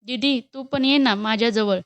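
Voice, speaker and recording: A woman's voice: a little high, normal speed, highs cut off, lightly acted. A woman reading a storybook who voices a childlike young man, speaking in a whiny, stumbling way. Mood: pleading.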